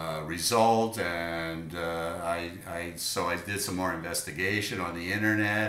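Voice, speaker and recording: A man's very deep, low voice, fairly slow and fairly even in intonation, amid noticeable background noise and audible room echo. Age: 60s. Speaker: juicing enthusiast. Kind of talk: casual interview. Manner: hesitant, many filler words.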